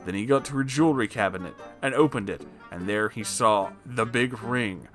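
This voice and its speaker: A man's voice: on the low side, moderate pace, fairly bright tone, faint music behind. A man hosting a comedic reading of fan fiction, breaking off into incredulous, amused asides. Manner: breaks into laughter, exclaims in disbelief.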